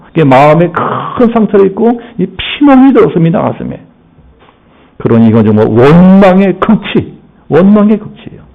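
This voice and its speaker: A man pastor giving a lively sermon in a church, asking the congregation rhetorical questions. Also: mid-range voice, creaky, phone-quality sound.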